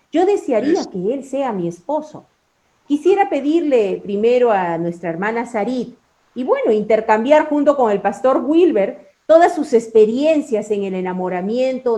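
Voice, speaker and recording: A woman with a fairly high voice hosts a Christian program. She speaks earnestly and reverently, with formal courtesy, as she narrates and interviews in a devotional style. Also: mellow.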